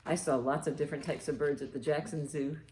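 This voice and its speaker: A storytime host reads aloud and poses riddles to young children, cheering them on and reacting to their answers in an exaggerated way. Her low, darkish voice moves quickly with fairly even intonation. The sound is roomy and echoing, with a little hiss or hum.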